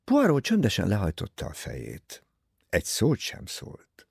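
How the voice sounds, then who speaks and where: A man narrating a novel as an audiobook, reading in a lively, expressive way. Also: on the low side, gravelly, breathy edge, no room sound, studio quality.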